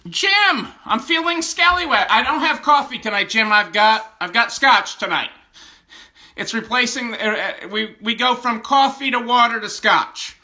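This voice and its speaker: A man from upstate New York hosts a casual livestream, playfully greeting viewers by name and joking around with them. His voice is very high-pitched, animated, pushed and bright, yet delivered at a measured pace.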